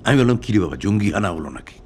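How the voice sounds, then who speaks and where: An actor playing an eerie middle-aged man who keeps a cat, soft-spoken and creepy, slipping into whispers. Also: on the low side, sing-song, racing, slight background noise. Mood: eerie friendly. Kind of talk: film dialogue.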